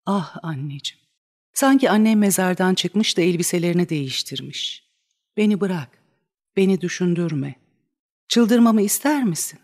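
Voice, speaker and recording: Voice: mid-range voice, expressive, moderate pace, close to an everyday voice. Reader doing a young woman, lovesick, desperate, pleading, crying out, stage-play reading. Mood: despairing. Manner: pleading, crying out in rising outbursts.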